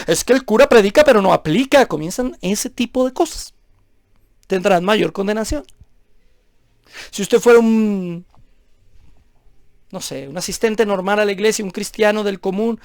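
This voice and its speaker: A man's voice: sits high, dry recording, studio quality. A man preaching a sermon as a pastor, emphatic and full of rhetorical questions.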